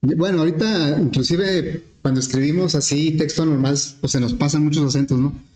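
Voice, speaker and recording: A male teacher explaining an algorithm step by step in a relaxed lesson, with frequent fillers. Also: on the high side, moderate pace. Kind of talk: programming lesson. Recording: echoey classroom with faint noise.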